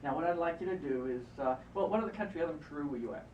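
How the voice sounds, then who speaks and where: A hypnotist guiding a volunteer through a live exercise, repeating encouraging instructions. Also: male voice, a little high, racing, slight background noise. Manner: coaching, repetitive, encouraging. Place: event room. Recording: roomy, distant, muffled live event recording.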